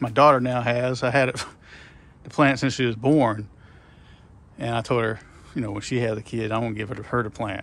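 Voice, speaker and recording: A man's relaxed tone in a Southern US accent, medium pitch and fairly even intonation, with a dry sound and no echo. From US South. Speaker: gardening vlogger. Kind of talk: casual video walkthrough. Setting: outdoors. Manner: relaxed, rambling with fillers. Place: garden. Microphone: phone near.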